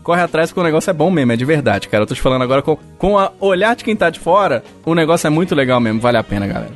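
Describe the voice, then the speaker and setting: A Brazilian man speaks quickly in an animated, slightly high voice. He is chatty and emphatic, talking informally as a podcast co-host. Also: faint music behind. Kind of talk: casual podcast chat.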